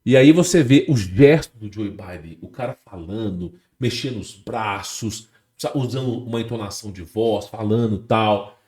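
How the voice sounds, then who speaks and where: A man's voice: on the low side, normal speed, a little mellow, breathy edge. A man with a Brazilian Portuguese accent talking casually to his viewers. He hesitates often, repeats words and keeps checking in with tag questions. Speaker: channel host. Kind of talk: casual monologue to camera.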